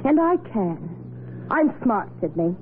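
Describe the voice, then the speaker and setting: A woman's voice: medium pitch, very animated, measured pace. An actress playing a young, hard, icy female crime boss with a sneering, tough way of talking, in 1940s radio style. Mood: cold scheming. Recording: scratchy, tinny 1940s radio recording.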